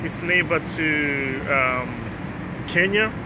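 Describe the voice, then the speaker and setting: A man in his thirties from Uganda talks through a casual interview in a fairly high voice. He pauses often, filling gaps with ums and restarting his sentences. Clear traffic and air conditioning hum run behind him. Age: 30s. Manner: hesitant, many ums and restarts. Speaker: guest.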